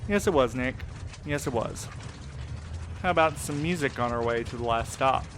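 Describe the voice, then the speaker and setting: A man's voice: mid-range voice, moderate pace, background noise, lightly acted. A man acting in an audio drama as a jaded, laid-back night courier with a casual, sarcastic way of talking. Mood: dry, teasing. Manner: casual, wry. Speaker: voice actor in a fiction podcast.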